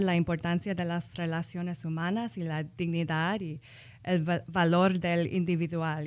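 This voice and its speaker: A woman's voice: fairly low pitch, clean tone. A woman, speaking Spanish as a later language, answering interview questions carefully and correcting herself as she goes. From United States. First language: not Spanish. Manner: careful, thoughtful, self-correcting. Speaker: guest, social work professor.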